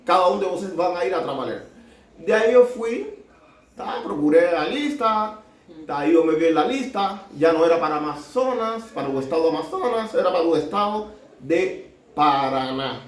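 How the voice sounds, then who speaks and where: Cuban man, high voice, halting delivery with restarts, echoey room, mic at a distance. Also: expressive. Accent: Cuban Spanish. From Cuba. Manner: halting, mixing Spanish and Portuguese, many restarts. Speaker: doctor telling his story. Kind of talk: casual storytelling.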